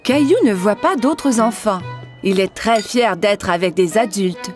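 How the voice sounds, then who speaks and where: A woman narrating a scripted children's cartoon story in an expressive storytelling manner. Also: mid-range voice, a little slow, music in the background, natural voice.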